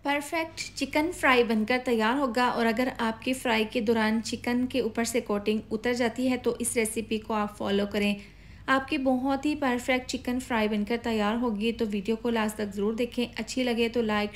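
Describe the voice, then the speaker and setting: A woman's voice: fairly high pitch, moderate pace. Pakistani woman narrating a recipe. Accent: Pakistani Urdu. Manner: steady step-by-step instructing. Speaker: cooking channel host. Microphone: voice-over.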